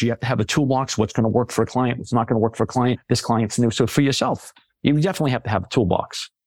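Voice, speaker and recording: This man has a Boston accent and a medium pitch, and he talks at a very fast pace. The recording is very clean with a silent background and a dry, close sound with no echo. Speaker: fitness coach and mental health advocate. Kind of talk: interview conversation.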